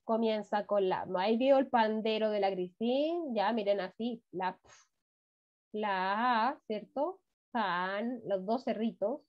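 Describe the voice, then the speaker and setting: A high-voiced woman teacher with a Chilean Spanish accent, talking to young children over a dull, lo-fi video call. She stretches words out syllable by syllable and speaks in a slow, gentle, coaxing way. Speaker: primary school teacher. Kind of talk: online class for first graders. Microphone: laptop mic on a video call.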